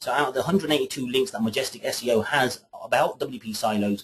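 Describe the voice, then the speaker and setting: The pace here is very fast. A man speaks in a somewhat breathy way. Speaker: internet marketer presenting a webinar. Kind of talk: webinar tutorial. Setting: online webinar. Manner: hesitant, many fillers.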